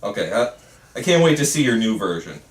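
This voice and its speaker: A man's voice: lowish voice, big pitch swings, fairly quick. A man playing a placating teacher in an amateur script read, recorded at a distance in a roomy, noisy space. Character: placating male teacher urging changes to student film. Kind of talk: amateur screenplay table read.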